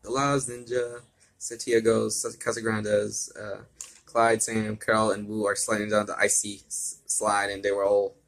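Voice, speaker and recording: A man's voice: on the low side, low-quality recording. A man reading fan fiction aloud with casual asides, often stumbling over words and repeating himself.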